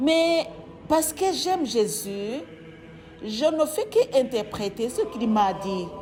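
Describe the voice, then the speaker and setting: Amid noticeable background noise and audible room echo, a woman with a Rwandan accent speaks at a very slow pace with long, frequent pauses, her high pitch moving in very wide swings. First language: Kinyarwanda (speaking French). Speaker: lay preacher. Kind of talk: sermon.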